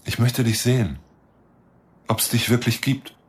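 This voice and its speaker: An actor playing a lonely, lovestruck but mistrustful astronomer in a German radio drama, speaking earnestly in short plain sentences. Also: male voice, medium pitch, expressive, measured pace, husky. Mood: wistful, longing. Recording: music behind the voice.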